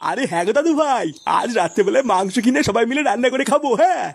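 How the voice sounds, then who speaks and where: A man voicing a grumpy, crude old grandfather in a comedy cartoon, with a pitched-up voice. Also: expressive, rapid-fire, creaky, full character voice. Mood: cheerful. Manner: scolding, dismissive, crude. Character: grumpy, foul-mouthed old grandfather and husband. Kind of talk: comic cartoon dialogue. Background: faint music.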